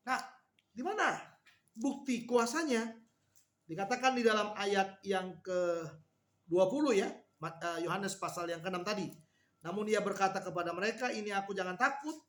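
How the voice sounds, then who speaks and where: A man preaching a sermon to a women's fellowship, explaining Bible passages and acting out quoted lines with lively repetition. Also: high-pitched, normal speed. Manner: animated, repeats key phrases, acts out quoted lines.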